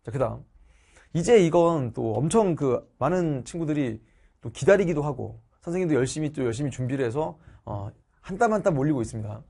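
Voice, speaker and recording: Middle-aged guy teacher, gravelly and kinda dark voice, chatty with his students, getting over a cold. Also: fairly high pitch, animated, a little fast. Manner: chatty, speaks to viewers as students. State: recovering from a cold. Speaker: online social studies teacher. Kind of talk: casual lecture to students.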